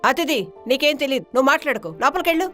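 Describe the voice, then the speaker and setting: A traditional middle-aged mother-in-law full of patient advice. Her voice sits high and gentle. Background music is clearly heard behind her. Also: lively intonation, quick pace. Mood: advising. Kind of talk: short film acting.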